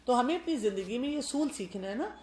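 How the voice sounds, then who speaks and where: A middle-aged woman doctor giving parenting advice in a calm, explanatory way, often asking rhetorical questions. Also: on the high side, reverberant. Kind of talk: parenting talk to mothers.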